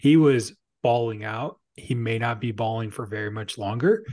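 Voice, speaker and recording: Somewhat breathy and medium in pitch, a man speaks with ordinary pitch variation against a quiet background. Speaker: podcast co-host. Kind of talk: casual banter.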